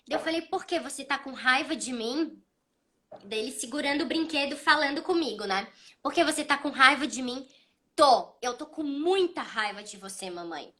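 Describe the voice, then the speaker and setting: A woman in her thirties, hosting a child psychology talk, explaining calmly and telling stories about her son with acted-out dialogue. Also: sits high. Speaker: child psychology channel host. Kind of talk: casual advice talk.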